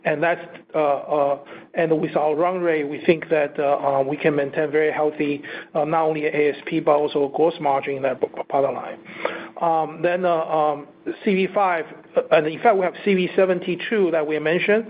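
A man with a fairly high voice comes through a narrow, phone-like line with faint noise. He is a company executive answering questions on an earnings call, speaking haltingly and repeating words as he goes. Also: fairly even intonation. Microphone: conference call line.

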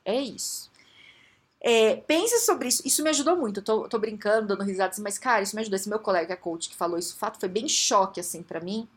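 A woman with a Brazilian accent, a coach giving casual advice in an animated way, laughing often and acting out quotes. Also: mid-range voice, fast talker, husky. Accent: Brazilian Portuguese.

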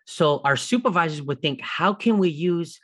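Animated middle-aged man, casual chat. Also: moderate pace, husky. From Filipino heritage. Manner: animated, rises in pitch when making a point.

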